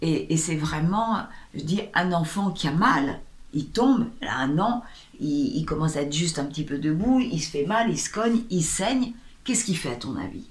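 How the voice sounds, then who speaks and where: A woman speaking as a guest, a sound healer and spiritual guide, animated and acting out little everyday scenes, with slow, drawn-out phrasing. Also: low-pitched, reverberant. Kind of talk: interview guest.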